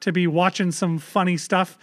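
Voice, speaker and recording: High-pitched and steady at a normal pace, this thirty-something co-host from Canada rambles through relaxed parenting-podcast talk. Fillers pile up and he swears loosely along the way.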